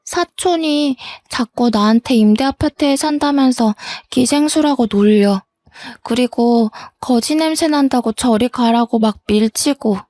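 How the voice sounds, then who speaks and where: A woman's voice: a little high, unhurried, dark tone, dry recording, pitched above the performer's own voice, natural voice. A woman voicing her young daughter in a narrated story, speaking plaintively about being teased. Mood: hurt. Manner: tearful, plaintive. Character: hurt young daughter telling about bullying.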